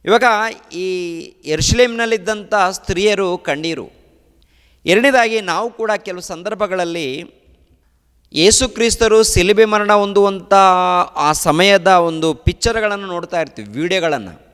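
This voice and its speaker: A male pastor delivers a sermon in emphatic, rhythmic phrases, piling up repeated lines one after another. His voice sits somewhat high for a man. A long reverb tail hangs behind every phrase. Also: unhurried, long pauses, fairly bright tone, smooth. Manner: repetitive emphatic preaching, listing phrases in threes.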